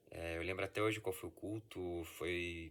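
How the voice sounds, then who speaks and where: A man speaks with a very deep, low pitch in a bright, sharp tone. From Rio de Janeiro, Brazil. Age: 20s. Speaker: mechanical engineer, new church member. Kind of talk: testimony. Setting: church.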